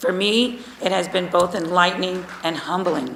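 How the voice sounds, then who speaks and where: Fairly slow female speech amid noticeable background noise and audible room echo. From Kentucky. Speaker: judicial nominee, lawyer. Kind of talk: confirmation hearing statement. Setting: hearing room. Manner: formal.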